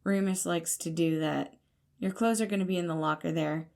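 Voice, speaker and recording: Woman as a dry, grumbling young man, low and creaky. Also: steady tone, normal speed, a little mellow. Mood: awkward. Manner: dry, unenthusiastic, blunt. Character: guarded, grumbling, weary young man in a bunker.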